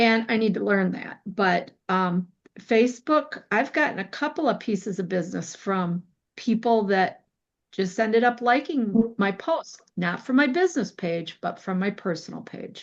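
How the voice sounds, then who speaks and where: Using an ordinary speaking voice, a woman speaks at a medium pitch and moderate pace with lively intonation. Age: 60s. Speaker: real estate agent. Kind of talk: class discussion.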